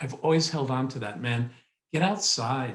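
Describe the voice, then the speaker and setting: Somewhat breathy and fairly high in pitch, a man with an American accent talks with ordinary pitch variation. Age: 60s. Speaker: music industry education director. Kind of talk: motivational talk on a web panel. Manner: animated.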